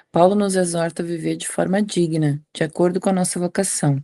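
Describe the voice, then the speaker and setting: Against a quiet background, a woman's fairly low, dark, mellow voice moves at a moderate pace with ordinary pitch variation in a dry, close sound with no echo. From southern Brazil, Porto Alegre. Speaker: devotional participant. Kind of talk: reading aloud.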